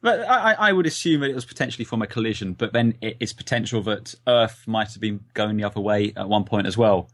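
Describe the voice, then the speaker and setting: A man with a fairly low voice chats as a podcast guest. He mixes facts with wisecracks and the odd swear word. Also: fast, few pauses, a bit bright. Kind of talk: casual chat.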